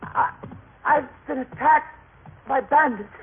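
High-pitched, desperate wounded traveler. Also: male voice, slow, soft background music. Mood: weak begging. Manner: pleading, imploring, melodramatic. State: weak, in pain, crying out. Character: wounded traveler beaten by bandits, pleading desperately. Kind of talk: old-time radio drama acting. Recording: tinny, noisy old radio recording.

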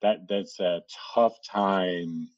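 Low-voiced Dublin Irishman on a dull line. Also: fairly even intonation, very slow. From Dublin, Ireland. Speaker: relationship expert guest. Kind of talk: conversational podcast interview.

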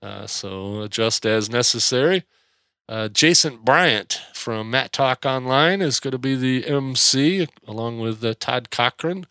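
Middle-aged American male podcaster, slightly nasal and congested but smooth, folksy, hesitant, rambling delivery, close dry sound. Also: medium pitch, expressive, a little slow, bright, forceful tone, no echo. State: mildly congested. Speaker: podcast host. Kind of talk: casual solo podcast chat.

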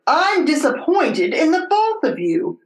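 A woman's voice: high voice, huge pitch swings, unhurried, reverberant, heavily acted, low-quality recording. An actress playing a stern but tender working-class wife and mother, earnest and emphatic, in old-time radio comedy style. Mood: scolding.

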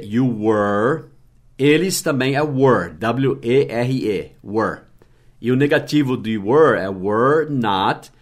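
A man with a Brazilian Portuguese accent teaches basic English in a podcast lesson. His voice sits at an ordinary middle pitch. He spells words out letter by letter and repeats each pronunciation slowly and patiently.

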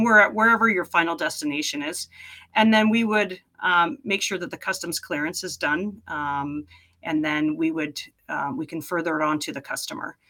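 A woman's voice: low voice, bright, forceful tone. A middle-aged woman from Canada, a guest explaining her work in a friendly, explanatory way during an interview. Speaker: guest, logistics professional. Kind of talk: casual interview answers.

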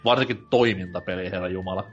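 A man's voice: sits low, a bit bright, breathy edge, highs cut off, faint music behind. A man co-hosting a podcast, blunt and dismissive in casual chat.

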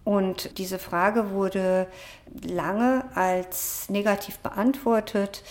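A woman author answering interview questions in a measured, academic way, with frequent hesitation sounds. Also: mid-range voice, steady tone, a little mellow. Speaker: author and social scientist, interview guest.

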